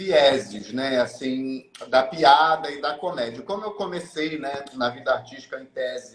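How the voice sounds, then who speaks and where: This man's pitch moves up and down by a normal amount. He talks very slowly. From Rio de Janeiro, Brazil. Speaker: actor and stand-up comedian. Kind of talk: interview.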